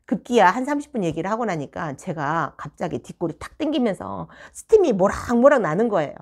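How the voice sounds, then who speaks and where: A woman's voice: medium pitch, brisk. A middle-aged woman teacher telling a story from her classroom in a storytelling monologue, acting out the dialogue as she goes. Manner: animated, acts out quoted dialogue. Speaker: study room teacher.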